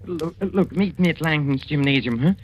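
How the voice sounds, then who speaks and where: A man's voice: a little high, a little fast, a little hiss or hum, lightly acted. A man playing a stammering murderous manager. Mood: pleading. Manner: stammering, pleading, then gloating and menacing. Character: scheming male boxing manager plotting murder. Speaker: boxing manager. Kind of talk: 1940s radio acting. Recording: dull old radio recording.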